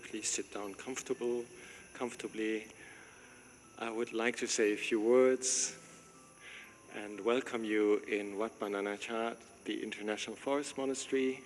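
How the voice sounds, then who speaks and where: A man's voice: lowish voice, fairly even intonation, normal speed, a little hiss or hum. A man, a monk welcoming visitors to his monastery, talking casually, joking and chuckling often as he asks questions. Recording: reverberant space with faint ambience.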